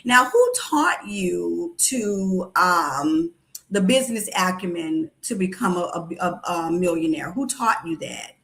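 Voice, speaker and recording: Female podcast host, supportive, steady listener who affirms a lot. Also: fairly low pitch, a little slow. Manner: affirming with frequent mm-hmms. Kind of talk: interview podcast.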